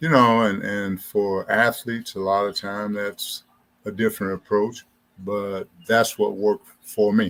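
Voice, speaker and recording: This man has a fairly low pitch and a monotone, flat intonation. He speaks at a fairly slow pace. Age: 60s. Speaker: retired pro football player. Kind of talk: interview.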